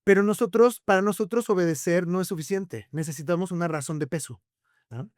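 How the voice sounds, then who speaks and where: A man with a Mexican accent, a podcast guest, telling stories in a lively conversational way, full of rhetorical questions. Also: high-pitched, a little fast, no room sound, studio quality. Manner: animated storyteller, rhetorical questions, frequent tag "¿no?".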